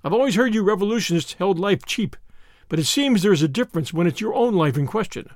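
Man putting on a young American man, cocky drawl, high lively pitch, cheerfully menacing, audiobook tough guy. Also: fast talker, no echo, studio quality. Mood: cheerful menace. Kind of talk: dramatised audiobook dialogue.

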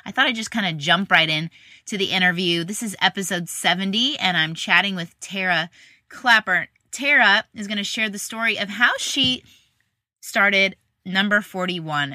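A woman's voice: mid-range voice, sharp tone, no room sound. A woman hosting a faith podcast, chatting eagerly and laughing easily as she interviews a guest. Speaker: podcast host. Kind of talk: casual interview chat.

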